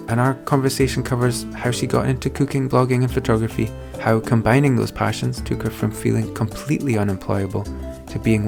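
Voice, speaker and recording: A man hosting a podcast, reading a friendly, measured introduction and asking interview questions. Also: mid-range voice, vocal fry. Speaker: podcast host.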